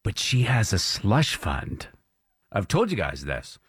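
A man's voice: on the low side, huge pitch swings, takes it slowly, husky, dry recording, studio quality. A man hosting a morning radio show, reading quiz questions and joking with his co-hosts. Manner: joking, playful.

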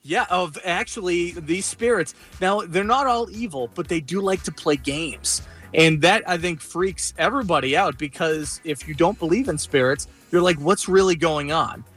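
A man reporting live for a radio show, telling his experiences casually and haltingly, with repeated starts. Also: fairly high pitch, a bit bright, slightly rough, faint music behind. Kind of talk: casual live on-air storytelling.

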